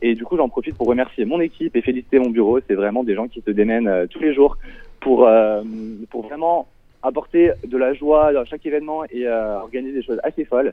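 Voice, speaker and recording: Here a man with a normal speaking voice talks at a medium pitch and fairly quick pace with ordinary pitch variation. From eastern France, Nancy. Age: 20s. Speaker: medical student, student association president. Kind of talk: radio interview.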